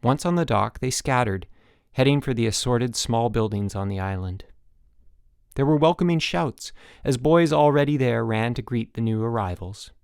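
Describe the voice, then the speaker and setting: A man's voice: medium pitch, moderate pace, vocal fry, a little mellow, clear, resonant tone, no room sound. Man narrating an audiobook in a dry room. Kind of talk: scripted storybook narration.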